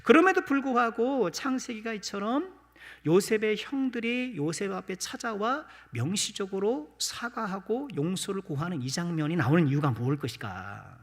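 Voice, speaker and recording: Male pastor, slightly higher voice, lively ups and downs, Sunday sermon, church reverb. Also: normal speed. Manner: addresses the congregation with rhetorical questions, light self-deprecating humor. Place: church sanctuary. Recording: long church-hall reverb.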